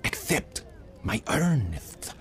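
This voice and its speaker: A man's voice: mid-range voice, big pitch swings, slow pace, fairly bright tone, slight background noise. A man playing a debonair cat suitor in an audio play, courting in pompous, flowery, elaborate language. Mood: grandly courting. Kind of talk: audio theatre acting.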